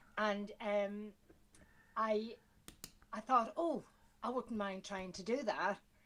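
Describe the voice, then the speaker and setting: The speaker talks at a very slow pace in an Irish accent. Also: woman. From Ireland. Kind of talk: interview. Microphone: quiet sound level.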